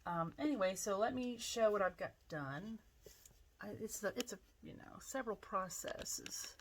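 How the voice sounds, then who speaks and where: A woman pottery artist giving a casual demonstration, chatty and relaxed, thinking aloud with plenty of fillers as she works. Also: mid-range voice, normal speed, a little hiss or hum, poor audio. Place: home pottery studio.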